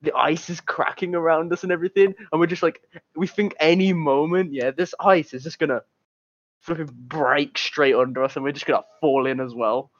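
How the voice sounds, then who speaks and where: A man's voice: a little high, fairly even intonation, moderate pace, no echo, lo-fi sound. A man chatting casually as a podcast co-host, telling stories in a hesitant, rambling way with asides. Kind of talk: casual chat and storytelling.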